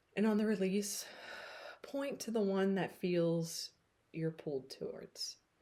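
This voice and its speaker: A woman speaks with a Pennsylvania Appalachian accent, somewhat breathy. Her pace is fairly slow, and her pitch shows ordinary variation. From Pennsylvania, US. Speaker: tarot reader. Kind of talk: tarot reading to camera; guided breathing instruction. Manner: casual, chatty with fillers.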